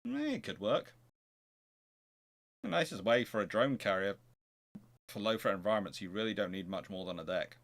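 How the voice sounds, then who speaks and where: A man's voice: on the low side, very animated, moderate pace, long pauses. Man hosting an informal history talk. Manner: hesitant, thinking aloud, self-correcting. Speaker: host of a naval history show. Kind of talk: informal question-and-answer talk and reading aloud from books.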